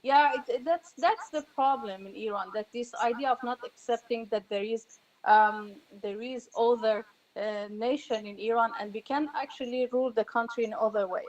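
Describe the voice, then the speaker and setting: Woman, Arabic native, panel speaker; hesitant delivery, fillers, slightly high-pitched. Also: low-quality recording. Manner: hesitant, many ums and restarts. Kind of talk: panel talk.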